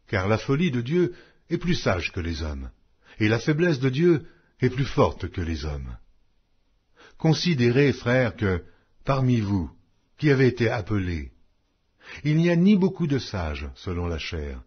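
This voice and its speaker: A man reads scripture as an audiobook narrator, in a solemn, measured, declamatory way with deliberate pauses. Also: mid-range voice, husky, muffled recording. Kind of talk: solemn scripted Bible reading.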